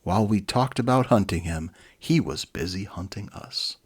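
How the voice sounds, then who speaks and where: Man as a storybook rock giant, deep, husky, grave, formal, noble ally. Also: lively intonation, normal speed. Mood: grave, earnest. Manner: solemn, formal.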